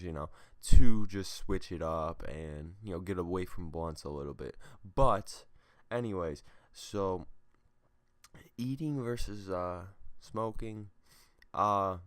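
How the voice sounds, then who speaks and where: A man's voice: low-pitched, dry recording. A man with a laid-back stoner drawl, chatting casually to his viewers in a slangy, meandering, hesitant way. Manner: slangy, loosely swearing. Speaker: vlogger. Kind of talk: casual rambling vlog talk.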